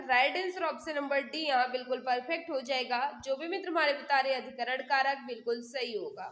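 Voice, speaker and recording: High-pitched woman teaching a live quiz class. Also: a bit bright, roomy sound. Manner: instructional, repeats questions and answers, prompting listeners. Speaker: exam prep teacher hosting a live class. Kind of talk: live quiz lesson, reading questions and answers aloud.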